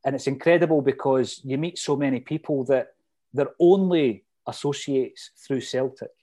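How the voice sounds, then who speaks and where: A middle-aged Scotsman speaks in a Fife accent with a mellow, softly rounded tone at an ordinary male pitch. He chats casually, telling his memories as detailed anecdotes. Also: normal speed. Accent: Fife Scottish. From Fife, Scotland. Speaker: interview guest, lifelong football supporter. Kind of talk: casual reminiscing chat.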